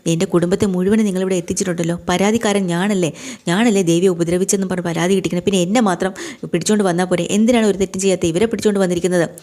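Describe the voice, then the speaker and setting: A woman's voice: on the low side, fairly even intonation, rapid-fire, mellow, close to an everyday voice. A woman voicing an indignant young man arguing with the police to defend his family, in her own voice. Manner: heated, protesting.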